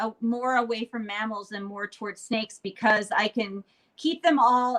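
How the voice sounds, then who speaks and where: With an American accent, a woman talks in an unremarkable speaking voice, fairly high in pitch, at a moderate pace with fairly even intonation. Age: 50s. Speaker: animal trainer and snake keeper. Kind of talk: casual chat.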